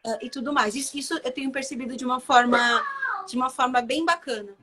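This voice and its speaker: Woman, high-pitched voice, Bahian Brazilian accent, casual live chat, emphatic repetition. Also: fairly even intonation, fast, bright, forceful tone, slight background noise. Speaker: chef, guest.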